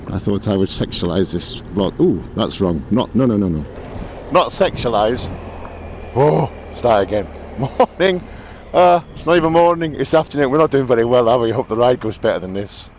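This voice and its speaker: Hoarse chatty man with a cold. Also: medium pitch, animated, normal speed, darkish tone. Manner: self-deprecating, chatty, laughs often. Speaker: motorbike vlogger. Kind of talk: rambling casual vlog. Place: outdoors on a motorbike. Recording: wind noise outdoors.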